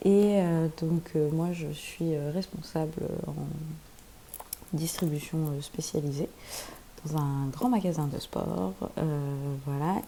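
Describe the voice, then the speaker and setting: Very slow speech from a woman with a very deep, low voice, long and frequent pauses, and noticeable background noise. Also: ordinary pitch variation. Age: 20s. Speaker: budgeting vlogger. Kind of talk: casual tutorial vlog. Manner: hesitant, many fillers.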